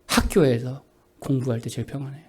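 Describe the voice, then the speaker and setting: A man's voice: mid-range voice, steady tone, quick pace, breathy edge. A middle-aged male pastor giving a sermon, posing questions to the congregation and answering them himself.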